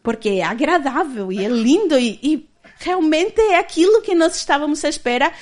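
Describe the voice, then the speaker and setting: A woman's voice: sits high, lively intonation, moderate pace, a little mellow. A woman in her thirties giving a candid personal testimony as a church speaker, often laughing as she tells it.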